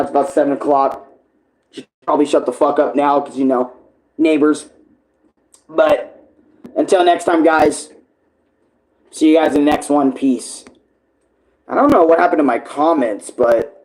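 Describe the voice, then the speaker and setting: A young man chatting casually on a livestream, rambling and swearing with enthusiasm, his voice hoarse and worn. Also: fairly high pitch, a little mellow, low-quality recording. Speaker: streamer ranking games. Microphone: tablet camera.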